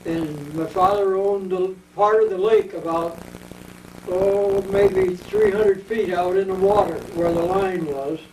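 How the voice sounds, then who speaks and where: An American man in his eighties reminisces in a rambling, unhurried way, his voice high for a man and rough with fry. The sound is mellow and dark. He is recorded from a distance in an echoey room. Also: huge pitch swings, slight background noise. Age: 80s. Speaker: veteran interviewee. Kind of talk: oral history interview.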